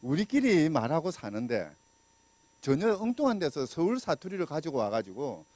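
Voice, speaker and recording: Animated man lecturing with a handheld mic. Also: fairly high pitch, normal speed, no room sound. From Busan, South Korea. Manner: conversational, asks the audience questions, many fillers; gestures and walks while talking. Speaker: law professor lecturing. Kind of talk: public lecture. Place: small lecture room indoors.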